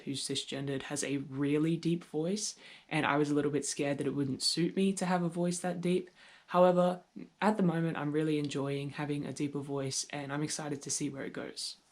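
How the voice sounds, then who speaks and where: Candid young trans man vlogging. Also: on the high side. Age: young adult. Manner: candid, reflective, gently humorous. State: voice deepening on testosterone. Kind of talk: personal video diary.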